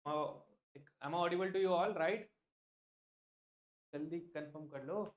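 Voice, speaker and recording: A man's voice: a little high, moderate pace, narrow, tinny audio. A young man with an Indian English accent, teaching an exam-prep lesson live to online viewers in a chatty, repetitive way. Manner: chatty, repeats himself, many "like" fillers, addresses viewers by name. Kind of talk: live-stream lecture.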